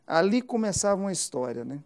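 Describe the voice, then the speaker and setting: A male pastor hosts a Christian TV interview show and speaks with emphasis, often turning to the viewers to preach a point. His voice sits a little higher than most men's. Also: very animated, quick pace.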